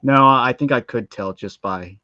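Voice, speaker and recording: A man co-hosting a casual livestream, thinking aloud in a hedging, halting way. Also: medium pitch, bright, forceful tone, no echo, dull audio.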